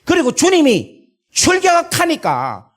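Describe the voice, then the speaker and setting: A middle-aged male pastor with a Gyeongsang Korean accent, preaching an emotional, animated sermon full of repeated fillers. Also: very high-pitched, slow pace.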